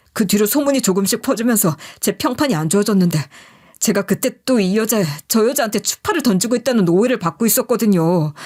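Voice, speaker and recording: A woman's voice: mid-range voice, darkish tone, natural voice. A woman voicing a disgraced, vengeful office manager in an audio story, aggrieved, wordy and pleading.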